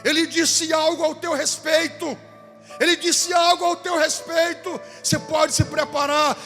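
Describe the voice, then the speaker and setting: A man with a Brazilian Portuguese accent preaching a fervent Pentecostal sermon in a church, repeating phrases and rising to shouts. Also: very high voice, flat delivery, unhurried. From southern Brazil. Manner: fervent, repetitive, rises to shouting. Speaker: pastor. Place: church sanctuary. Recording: church hall with long reverb, faint music.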